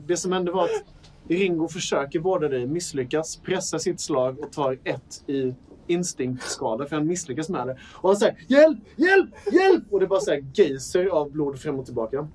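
A man running a tabletop role-playing game as game master, narrating the action with lively energy. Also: on the high side. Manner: lively, acts out panicked shouts.

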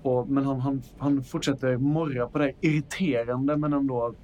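A man running a tabletop role-playing game and narrating the scene in a relaxed, chatty way, full of little fillers. His voice sits at an ordinary middle pitch, recorded close on a home mic with a faint hiss behind it. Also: muffled recording. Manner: loose, conversational narration with fillers. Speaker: game master.

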